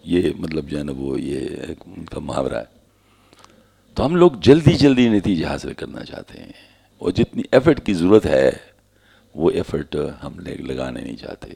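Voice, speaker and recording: A man, fairly low-pitched and gravelly, with a dark, mellow tone. He gives parenting advice in a patient, explanatory way, posing rhetorical questions and answering them himself. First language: Pashto. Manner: explains with homely examples. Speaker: speaker giving parenting advice. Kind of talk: explanatory talk.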